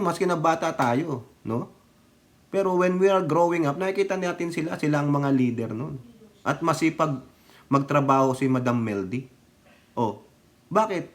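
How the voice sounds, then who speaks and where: A Filipino-accented man in his fifties giving mocking, laughing political commentary in a casual vlog, switching languages and swearing. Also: a little high. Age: 50s.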